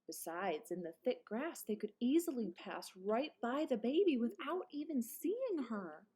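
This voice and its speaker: Slow, animated woman reading a storybook. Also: fairly high pitch, slightly rough. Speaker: read-aloud presenter, teacher. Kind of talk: expressive children's storybook narration with explanatory asides.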